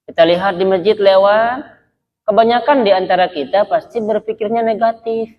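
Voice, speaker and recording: A man's voice: sits high, moderate pace. A male Islamic preacher from Sumatra giving a casual religious lecture, talking conversationally and often addressing his listeners directly. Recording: dull lo-fi recording.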